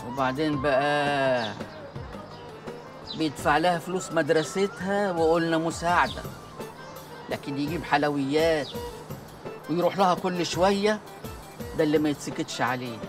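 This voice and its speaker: An actress playing a stern older matriarch who scolds her servants, speaking with an Egyptian accent in a sharp, scolding manner. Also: low voice, normal speed, long pauses, distant mic, over music, natural voice. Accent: Egyptian Arabic.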